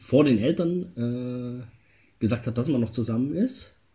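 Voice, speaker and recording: A man speaks at medium pitch. His tone is dark and mellow and somewhat breathy. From Franconia, Germany (near Nuremberg). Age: 30s. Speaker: dating coach. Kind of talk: interview.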